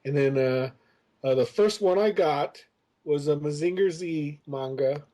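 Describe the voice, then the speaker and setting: A man in his fifties tells stories from his past on a podcast. His voice is mellow and a little high. He rambles loosely and drops hesitant fillers between phrases. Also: measured pace. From United States. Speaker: interview guest, comics creator. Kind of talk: casual storytelling interview.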